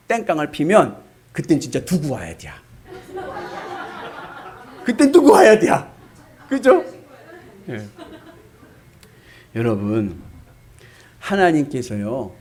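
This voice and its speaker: A man preaching a sermon as pastor, asking the congregation rhetorical questions. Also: fairly high pitch.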